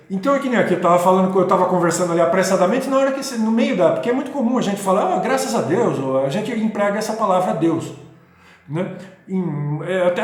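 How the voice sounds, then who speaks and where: A man talking in a rambling, casual way with many restarts and checking questions, as host of his own video. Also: sits high. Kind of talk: casual spoken talk on spirituality. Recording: very echoey room.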